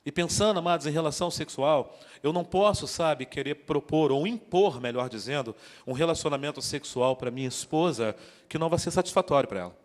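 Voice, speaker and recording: Joking preacher in a reverberant hall. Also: male voice, on the high side, brisk. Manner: joking, interactive, calls out to the congregation. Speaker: guest preacher. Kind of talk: sermon. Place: church hall. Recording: long church hall reverb.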